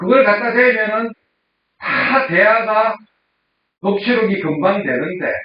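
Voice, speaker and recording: In a Gyeongsang accent, a man speaks at a high pitch and a fairly slow pace with ordinary pitch variation. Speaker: former judge giving AI lecture. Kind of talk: lecture. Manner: animated.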